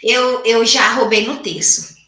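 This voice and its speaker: A woman, a podcast guest, telling funny stories in a lively, laughing way in casual chat. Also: on the high side, measured pace, reverberant, a loud crowd. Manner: lively storyteller, laughs a lot.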